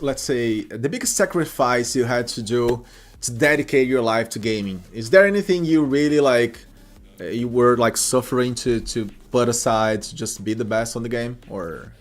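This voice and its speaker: A man's voice: mid-range voice, lively intonation, normal speed. A man hosting a podcast interview, asking long friendly questions with many "uh"s and restarts. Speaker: podcast host.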